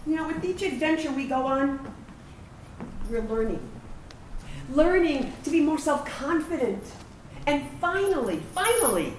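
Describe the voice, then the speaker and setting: A woman performs a theatrical monologue, reading as a reflective trans veteran of around fifty, in a hopeful, reflective mood. Her high voice is sing-song, measured, and broken by long pauses. It was recorded in a room with echo, a distant mic, and hissy noise.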